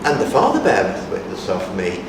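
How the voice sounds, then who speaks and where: A man's voice: on the low side, wildly swooping pitch, moderate pace, pitched below the performer's own voice. A man voicing Jesus as a grave, authoritative grown man, declaiming solemnly and emphatically in a dramatic scripture recitation. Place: conference hall. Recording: echoey hall from far off, noisy.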